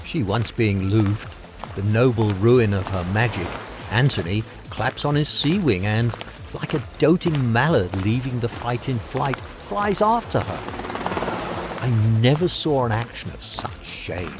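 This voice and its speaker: Actor as scornful Roman soldier, dramatically swooping delivery. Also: male voice, medium pitch, lively intonation, unhurried, noisy background, close to an everyday voice. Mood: bitter scorn. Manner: declamatory, scornful. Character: disgusted, bitter male Roman soldier, scornful and outraged. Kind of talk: Shakespearean audio drama acting. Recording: music behind the voice.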